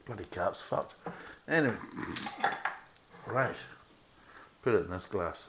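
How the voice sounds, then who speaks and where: Scottish man, middle-aged, low voice, casual podcast host, chatty, sweary. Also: expressive, takes it slowly, background noise. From Scotland. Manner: chatty, swears freely, laughs at own jokes. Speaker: beer review podcast host. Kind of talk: casual chat.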